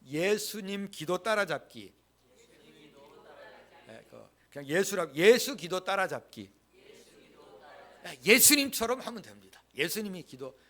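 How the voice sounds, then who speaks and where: A man's voice: high-pitched, sing-song, a little slow, long pauses, fairly bright tone. A male pastor preaching a Sunday sermon in a church, repeating key phrases emphatically and leading the congregation to say lines aloud with him. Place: church sanctuary.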